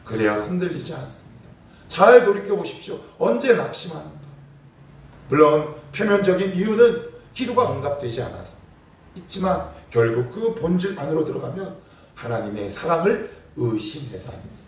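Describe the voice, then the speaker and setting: A male pastor giving a lively sermon, asking his congregation questions and acting out little scenes. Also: a little high, moderate pace. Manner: animated preaching, acting out scenes and rhetorical questions. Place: church sanctuary. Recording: very echoey church hall, voice from a distance.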